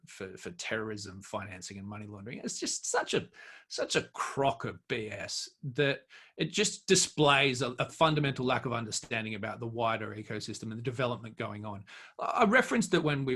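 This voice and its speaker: A man's voice: medium pitch, fairly bright tone, husky. Emphatic man giving expert opinion. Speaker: guest crypto expert. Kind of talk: opinionated interview commentary.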